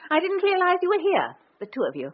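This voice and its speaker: A woman's voice: very high-pitched, huge pitch swings, quick pace, narrow, tinny audio, exaggerated voice. An actor playing a prim, arch lady who speaks in an affected manner in a radio drama.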